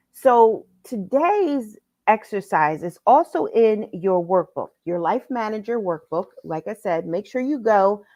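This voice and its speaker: A woman's voice: mid-range voice, a little mellow. Upbeat woman coach with allergy-thick voice. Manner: upbeat, addresses viewers directly. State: congested from allergies. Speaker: life coach. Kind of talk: live-streamed coaching lesson.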